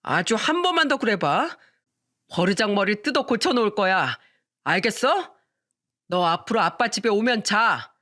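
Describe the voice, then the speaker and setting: A woman reading a radio story, voicing a drunk, domineering middle-aged husband who yells at his family. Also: on the high side, animated, moderate pace. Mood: drunk, bossy. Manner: slurred, domineering yelling.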